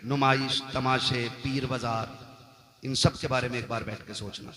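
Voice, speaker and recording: A man's voice: medium pitch, steady tone, normal speed, a bit bright. A man, a Muslim cleric, preaching and exhorting, often checking that his listeners agree. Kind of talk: sermon addressed to a congregation. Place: large religious gathering, on microphone. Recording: echoey PA hall, crowd behind.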